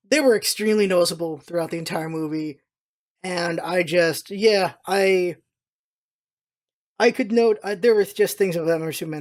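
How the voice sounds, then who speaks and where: Casual, rambling vlogger with mid-pitched voice. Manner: rambling, opinionated, informal with mild swearing. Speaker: video blogger giving movie opinions. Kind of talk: casual unscripted movie review chat.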